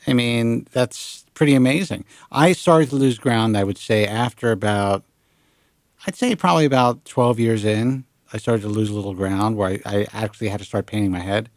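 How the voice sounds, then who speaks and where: A man in his late forties hosting a talk show, chatting casually with lively restarts and the odd swear word. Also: lowish voice, normal speed, dry recording. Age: 40s. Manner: animated, swearing, lots of restarts. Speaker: show host. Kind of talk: casual radio show chat.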